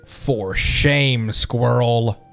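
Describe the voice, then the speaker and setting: A man streaming live reaction commentary in a halting, rambling, easily excited way. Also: medium pitch, gravelly. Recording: music playing behind the voice. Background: game trailer music.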